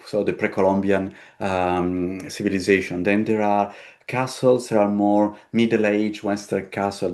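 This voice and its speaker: Low-voiced man searching for his words. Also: darkish tone. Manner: searching for words, repeating himself. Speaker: tarot deck creator. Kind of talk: casual interview conversation.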